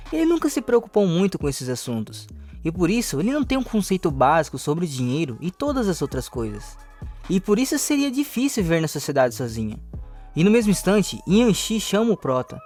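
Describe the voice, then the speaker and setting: Lively high-voiced man narrating a recap. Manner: lively storytelling with rising and falling pitch. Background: faint background music.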